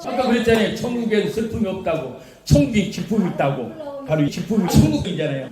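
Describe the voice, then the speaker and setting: Man, pastor, high voice, animated sermon, echoey church hall. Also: quick pace, crowd noise. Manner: animated storytelling with laughter, asks the congregation questions. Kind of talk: lively sermon.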